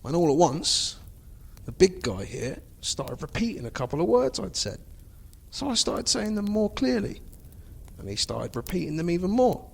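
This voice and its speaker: A man's voice: on the high side, vocal fry, breathy edge, full character voice. A man acting in an amateur audio drama as a bewildered fugitive, speaking earnestly and expressively. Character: bewildered fugitive man hiding among Sasquatches.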